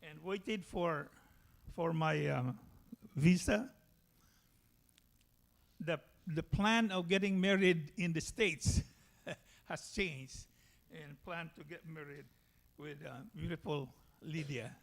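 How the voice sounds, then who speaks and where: Filipino guy w accent telling his church testimony, kinda high voice, halting delivery. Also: gravelly. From Philippines. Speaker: church member giving testimony. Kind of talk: personal testimony to a congregation.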